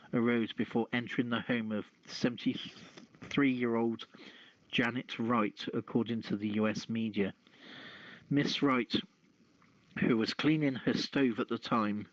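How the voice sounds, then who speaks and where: A man hosts a casual news show at an unhurried, deliberate pace. His delivery is halting as he moves between reading and chat. The sound is close and dry but slightly dull and lo-fi. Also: mid-range voice, no echo. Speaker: podcast host reading news stories. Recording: dull, lo-fi streamed audio.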